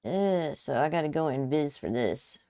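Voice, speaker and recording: A woman's voice: sits low, animated, moderate pace, mellow. A woman chatting casually as a player in a tabletop role-playing game.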